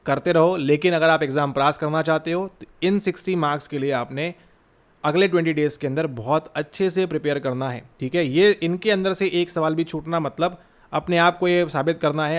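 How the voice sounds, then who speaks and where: A man lectures students preparing for an exam, his voice sitting slightly higher than most men's. He is urgent and exhorting, and keeps stopping to check they are following. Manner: urgent, exhorting, repeats "theek hai?" often. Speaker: exam coaching teacher. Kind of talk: motivational exam-prep lecture.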